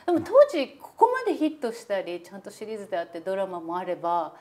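A woman hosting an interview at a guest's home, reacting brightly and asking quick follow-up questions. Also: mid-range voice, sing-song. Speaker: host.

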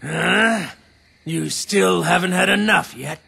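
A gravelly, cocky young warrior. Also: male voice, high voice, slow, bright, forceful tone, exaggerated voice. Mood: taunting. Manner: taunting.

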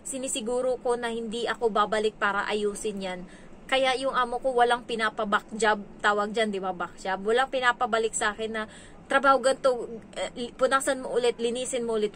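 A woman from the Philippines chats through stories from her work as a domestic helper, acting out what others said along the way. Her voice sits a little high, with a faint hum of noise behind it. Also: a bit bright. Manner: chatty, acts out quoted dialogue. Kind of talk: casual storytelling vlog.

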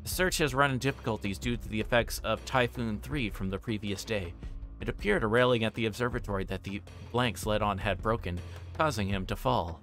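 A man livestreaming a visual novel, reading text aloud and commenting casually in a halting, informal way. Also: on the low side, fairly bright tone, soft background music. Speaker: streamer.

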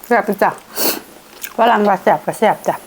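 A woman with a northeastern Thai Isan accent chatting casually as an eating vlog host, with savoring hums between her phrases. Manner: chatty, punctuates talk with savoring hums and drawn-out polite particles. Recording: noisy recording with dish clatter.

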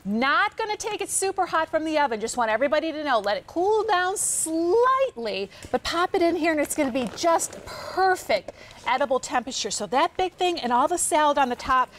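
High-voiced woman, home shopping host style. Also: fairly quick, slight background noise. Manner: animated, chatty, hands-on pitching. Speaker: home shopping product presenter. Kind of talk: live product demonstration in home shopping host manner. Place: large TV studio kitchen set.

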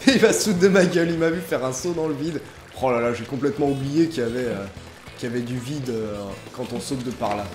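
A young man giving jokey, excitable commentary over an online game he is playing, dropping into low mutters and bursting into loud exclamations. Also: fairly quick. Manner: excitable, jokey, swings between mutters and outbursts. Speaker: gaming YouTuber. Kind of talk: let's play commentary. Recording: echoey room with game music behind.

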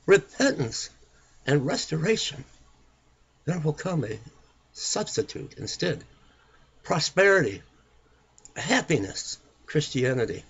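A man reading religious text aloud like a preacher, solemn and emphatic, with pointed pauses and a husky, gravelly voice. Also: on the high side.

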